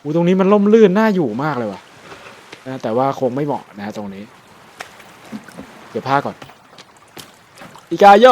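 Male gamer commentator, casual and chatty, mid-range voice, swears and yelps at surprises. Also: medium pitch. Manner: chatty, bursts into loud exclamations and swearing. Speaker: game streamer.

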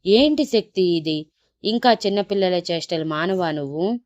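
A woman's voice: lowish voice, lively intonation, moderate pace, darkish tone, dry recording, lo-fi sound, close to an everyday voice. A woman voicing a worried, protective young husband who scolds, then coaxes and pleads. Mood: scolding.

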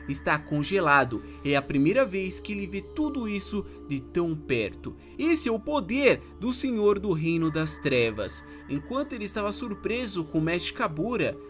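A man hosts his recap channel and narrates an anime episode. His voice is fairly high and moves with a lively range. He talks straight to his viewers, and faint music plays underneath. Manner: animated storyteller, addresses viewers directly.

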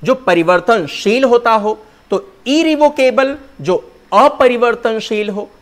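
Hindi guy teaching english words, high voice, bouncy up and down, slips english in. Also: lively intonation, slow pace, fairly bright tone. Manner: addresses students as "bachchon", spells words letter by letter. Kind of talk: Hindi lecture on English vocabulary.

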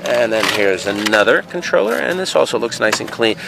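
A man's voice: fairly low pitch, sing-song, a little fast, creaky. Man, casual rambling reseller, handheld camera outdoors, noisy street background. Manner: rambling, thinking aloud, many fillers. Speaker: video game reseller. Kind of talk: casual handheld vlog narration. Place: outdoor parking lot flea market.

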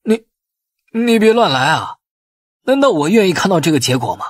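A man's voice: sits high, big pitch swings, normal speed, husky, no echo, studio quality, pitched above the performer's own voice, full character voice. A man voicing a frightened, angry hospital official, agitated and defensive, in an audiobook. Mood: fearful anger. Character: frightened, angry male hospital deputy director.

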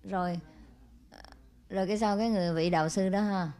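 A woman's voice: medium pitch, steady tone, warm tone. A woman spiritual teacher giving an informal talk to followers, telling a story with many small fillers and checks on whether listeners follow. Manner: chatty, frequent "ừ" and "à" fillers, asks listeners "hiểu chưa?"; switches to brisk, scolding asides to attendants.

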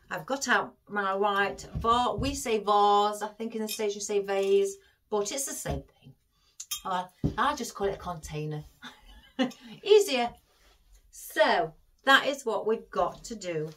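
A woman with a chatty manner, giving a craft tutorial and calling her viewers guys as she talks them through each step. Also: mid-range voice. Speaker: florist demonstrating an arrangement.

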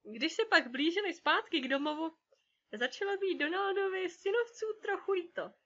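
Expressive female storybook narrator; bright, high voice, dull lo-fi recording. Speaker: audiobook narrator. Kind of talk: scripted narration of a children's story.

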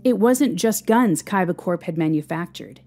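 A woman narrating a scripted audio drama in a measured, expressive, somber manner. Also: fairly low pitch. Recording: music under the voice. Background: instrumental music.

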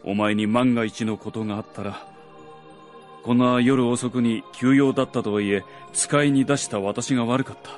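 A man performs a kind nobleman in a Japanese radio drama. His mid-range voice is refined and considerate, with soft music underneath. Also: mid-range voice, fairly even intonation, normal speed, close to an everyday voice. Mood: tender, relieved. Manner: gentle, considerate, polished. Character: kindly, refined nobleman, gentle master to his maid.

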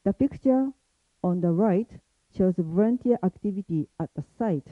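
A woman giving a prepared university presentation, speaking carefully and hesitantly, with many pauses and fillers. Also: medium pitch, lively intonation, no echo. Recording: tinny phone-like sound, dry.

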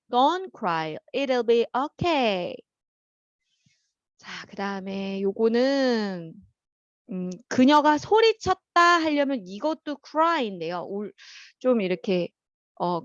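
Lively high-voiced woman teaching vocabulary. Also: dry recording, highs cut off. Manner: calls on students by name, explains words in Korean with English examples; drawn-out, careful English model sentences. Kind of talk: online vocabulary class with students.

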